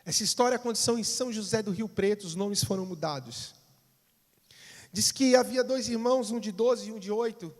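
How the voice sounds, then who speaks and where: A Brazilian pastor preaching, telling a dramatic story and acting out its people's voices. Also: male voice, sits high, a little fast. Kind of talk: sermon storytelling. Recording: long reverb of a church hall.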